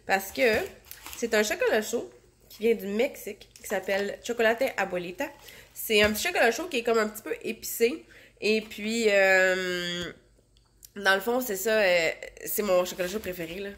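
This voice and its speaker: A woman's voice: medium pitch, moderate pace, a bit bright. A woman in her thirties with a Québécois French accent, chatting casually to her phone at home. She has a cold, so she sounds nasal and stuffed up, and she rambles with lots of fillers. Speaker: vlogger, stay-at-home mom. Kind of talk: casual chat to camera. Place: home, indoors. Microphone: handheld phone.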